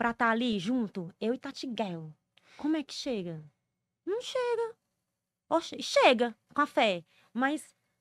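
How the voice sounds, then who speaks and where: With a Ceará accent, a woman speaks in a high, animated voice with very wide pitch swings and long, frequent pauses, the sound dry with no echo against a quiet background. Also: fairly slow pace. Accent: Northeastern Brazilian (Cearense) Portuguese. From Ceará, Brazil (Chaval); Ceará, Brazil. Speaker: forró singer; interview guest. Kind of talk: casual interview chat. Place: studio. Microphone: studio mic.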